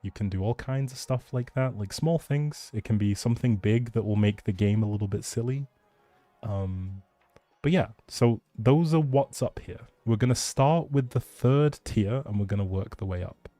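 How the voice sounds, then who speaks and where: Faint music plays behind a man whose mid-range, dark-toned voice moves at a moderate pace with no room sound. Hosting a livestream, he rambles casually to viewers as if chatting with them and announces a giveaway.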